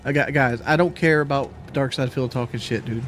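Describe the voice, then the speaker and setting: A man's voice: medium pitch, a little fast, over music. Out-of-breath man streaming casually. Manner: rambling, repeats words, swears casually. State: out of breath after a workout. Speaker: live streamer. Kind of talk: casual live-stream chat.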